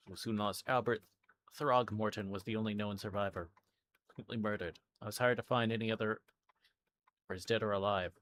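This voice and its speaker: A man with a fairly low voice reads out in-game text and comments as he plays for a stream. There is some faint noise behind him. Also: fairly bright tone. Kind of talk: let's play, reading game text aloud and commenting.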